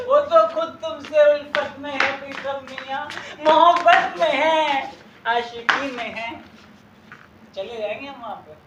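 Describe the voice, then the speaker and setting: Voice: high-pitched, lively intonation, slow, dull audio, very noisy. An actor playing a fond, teasing father who laughs as he talks in flowery words, acted on a theatre stage. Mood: teasing, jolly. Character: fond chatty older male father, teasing. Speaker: father of the bride. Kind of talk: stage comedy acting. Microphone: distant stage mic. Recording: echoey theatre from far off, music.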